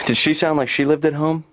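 A man voicing a sarcastic young adult son in a cartoon, flat and deadpan. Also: a little high, moderate pace, no room sound, natural voice. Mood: dry. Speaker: grown son.

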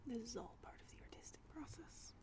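A young woman playing a subtly condescending art student in a hushed ASMR roleplay, half-whispering with hesitant pauses and hums. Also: lightly acted. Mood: smug, absorbed. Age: young adult. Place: small dim room at home, indoors.

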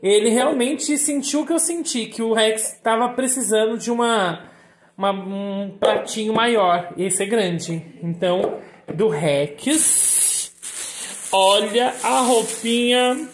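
A woman's voice: fairly high pitch, slow, echoey room. A woman casually vlogging at home, cooing at her pets in baby talk.

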